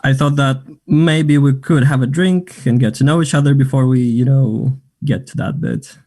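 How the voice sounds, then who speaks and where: A man's voice: medium pitch, fairly even intonation, moderate pace, dark tone, lightly acted. A man acting a flirtatious, self-assured gay man in a naturalistic table read of a play, chatty and teasing. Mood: friendly, chatty.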